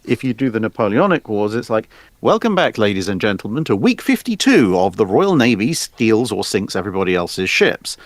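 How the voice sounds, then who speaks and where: A man's voice: fairly low pitch, big pitch swings, a little fast, no room sound. A man chatting casually and unscripted about history as a co-host, telling it like a jokey storyteller. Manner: jokey storyteller, acts out mock announcements. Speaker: co-host commenting on naval history.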